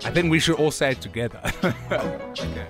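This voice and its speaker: A man's voice: on the high side, normal speed, music in the background. A man hosting casual radio banter with a mouthguard in, lips stretched, sounding slightly muffled with a little whistle. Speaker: radio show host.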